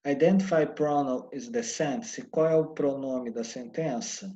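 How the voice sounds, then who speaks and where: A Brazilian-accented man giving an English lesson in a soft, mellow voice. He explains patiently and slows right down to sound out each English word. The audio is somewhat dull and lo-fi. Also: medium pitch. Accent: Brazilian Portuguese. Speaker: English teacher.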